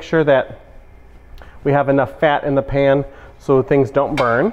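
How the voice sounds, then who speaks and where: Moderate pace from a man with a fairly high pitch and an American accent, over light background noise. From US Midwest. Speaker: cooking video host. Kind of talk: cooking tutorial. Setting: studio kitchen. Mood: relaxed, friendly. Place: kitchen. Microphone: lapel.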